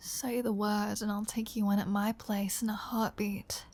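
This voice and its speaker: A woman playing a flirty, predatory vampire in an intimate ASMR roleplay, teasing and dominant, often dropping into a breathy whisper. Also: medium pitch, flat delivery, normal speed, a little mellow, natural voice. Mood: pleased, seductive. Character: flirty, predatory female vampire toying with a hunter.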